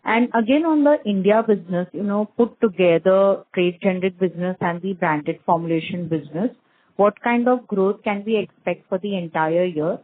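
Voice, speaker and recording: A woman's voice: medium pitch, normal speed. A woman working as an analyst, putting probing questions and confirming answers on an earnings call. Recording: narrow telephone line.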